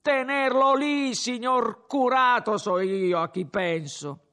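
A man voicing a drunk young peasant who rambles and boasts loudly in a tavern, his speech slurred. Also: extremely high pitch, expressive, slow pace, pitched above the performer's own voice, exaggerated voice. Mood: drunken ranting.

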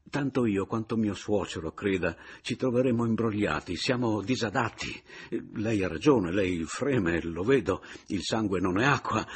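A man's voice: lowish voice, husky, voice pushed up, full character voice. A man reading an audiobook, voicing an obsequious male secretary with a pleading, fawning manner. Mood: eager.

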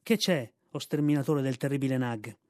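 A man voicing a silly little male songbird who flatters eagerly. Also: medium pitch, moderate pace, no echo, studio quality, natural voice. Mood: fawning. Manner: fawning, eager.

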